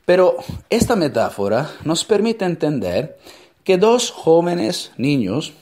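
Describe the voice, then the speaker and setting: A man's voice: fairly high pitch, big pitch swings, slow, a little mellow. A man with an Italian accent, a native Italian speaker, giving an emphatic motivational talk full of rhetorical questions.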